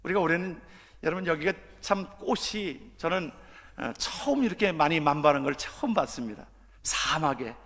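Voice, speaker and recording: A middle-aged man, a senior pastor, delivering a sermon, swinging from soft conversational asides to loud fervent proclamations. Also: on the high side, expressive, normal speed. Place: church sanctuary. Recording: long reverb of a church hall.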